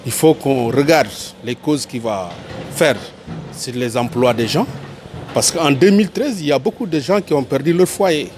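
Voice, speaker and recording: A man's voice: a little high, a little mellow, slight background noise. A man from Senegal with a Senegalese French accent, speaking earnestly in a street interview and pleading his case. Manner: earnest, pleading, repeats points. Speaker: tourism worker interviewed.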